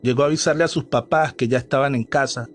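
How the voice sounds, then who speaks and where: A man's voice: mid-range voice, steady tone, fast, slight background noise. A man narrating a horror story in a dramatic storytelling manner. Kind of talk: scripted narration.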